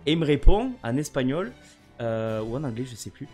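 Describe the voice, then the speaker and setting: A man's voice: mid-range voice, sing-song, fairly quick, warm tone, soft background music. A French man chatting casually to camera about a gift, often rambling and stammering over his words. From France. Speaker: gaming vlogger.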